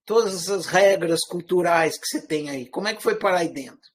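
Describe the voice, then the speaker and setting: High-voiced man with a mineiro-caipira accent. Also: a little fast. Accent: Brazilian Portuguese, part Minas Gerais, part rural caipira. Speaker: teacher. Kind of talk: informal spoken lecture.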